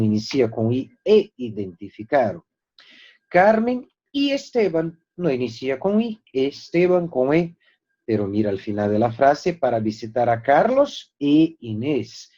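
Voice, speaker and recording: Lively male Spanish teacher. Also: mid-range voice. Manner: lively, emphatic, slows down to spell out example words. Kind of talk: recorded classroom lesson. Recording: dull lo-fi recording.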